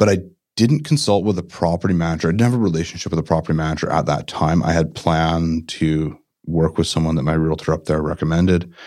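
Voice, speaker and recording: Speaking at a very fast pace in a Canadian accent, a man has a very deep, low pitch and fairly even intonation. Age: 30s. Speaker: real estate marketing executive and investor. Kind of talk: podcast interview. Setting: studio.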